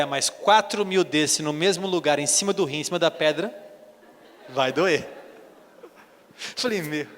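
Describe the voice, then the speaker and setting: A slightly high male voice, heard with a big-room sound and a little hiss or hum, belongs to a bishop giving a sermon. He tells his stories animatedly and acts out the dialogue himself.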